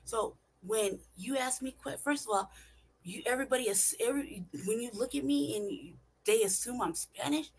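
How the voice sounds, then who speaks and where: She talks at normal speed in a fairly high, slightly rough voice, and the recording itself is rough. This California vlogger's casual monologue is full of swearing, emphasis and rhetorical questions.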